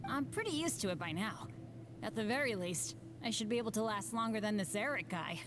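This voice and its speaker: A woman's voice: medium pitch, lively intonation, brisk, noisy background, close to an everyday voice. A woman playing an earnest, cheerful young adventurer who shrugs off danger in a video game. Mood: cheerful, reassuring. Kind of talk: scripted video game voice acting.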